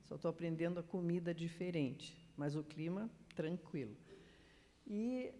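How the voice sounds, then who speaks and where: A woman from Curitiba with a Curitiba accent, a guest missionary giving a chatty, relaxed church talk while fumbling with her slides. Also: fairly low pitch, unhurried. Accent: Curitiba Brazilian Portuguese. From Curitiba, Brazil. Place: church sanctuary. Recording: hall reverb, faint noise, from the mic.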